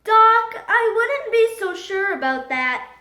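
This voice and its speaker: Woman playing curious storybook boy, stubborn, confident, high-pitched, animated, echoey room. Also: takes it slowly, exaggerated voice. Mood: cheeky. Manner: stubborn, inquisitive. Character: odd, confident, curious little boy genius.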